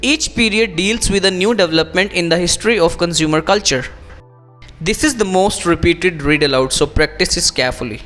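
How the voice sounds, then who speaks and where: High-pitched Indian man, teacher reading aloud. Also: fairly quick, fairly bright tone, faint music behind. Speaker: English exam coach. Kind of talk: instructional read-aloud with tips.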